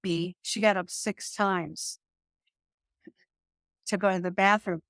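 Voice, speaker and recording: A middle-aged woman, a yoga teacher and hypnotist, talking animatedly in an interview, often laughing and restarting her sentences, with a calming voice. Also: mid-range voice, slow, no echo, clean studio sound. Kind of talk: conversational interview.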